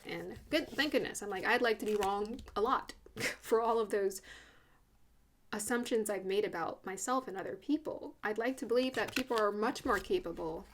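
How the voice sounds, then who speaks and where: A woman talks through a spiritual card reading in an easy, chatty way. She sounds earnest and open, dropping fillers and soft laughs as she goes. Her voice sits at an ordinary middle pitch. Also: normal speed, slight background noise. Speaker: spiritual reader doing a tarot card reading. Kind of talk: casual channeled card reading.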